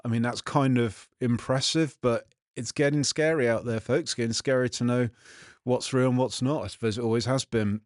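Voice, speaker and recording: Sardonic and irritably grumbling, a male software developer chats casually as a vlog host in a medium-pitched, slightly nasal voice. His Black Country accent marks him as from the West Midlands of England, and his intonation is fairly even at a normal speed. The studio sound is clean, without echo.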